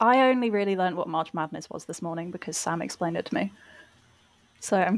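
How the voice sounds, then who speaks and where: A woman of medium pitch speaks at a very fast pace with an English accent. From England. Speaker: guest, pick'em league champion. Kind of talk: casual interview. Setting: remote call from the UK.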